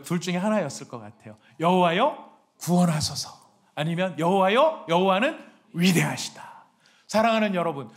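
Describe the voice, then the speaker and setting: A Korean pastor preaching a sermon, asking the congregation questions and reading scripture slowly and loudly, with emphatic shouted lines. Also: male voice, on the high side.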